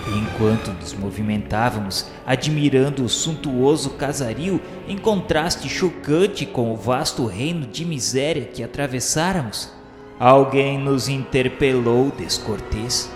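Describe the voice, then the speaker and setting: A man with a Brazilian accent reading a scripted dramatic narration in a solemn, formal, literary manner. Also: mid-range voice. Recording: reverberant hall effect, music behind. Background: music.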